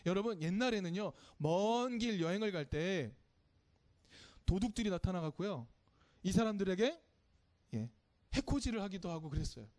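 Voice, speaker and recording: A man's voice: high voice, expressive, moderate pace, pauses often, a little mellow. A man giving a children's sermon in church, telling the story simply and asking the congregation questions as he goes. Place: church service.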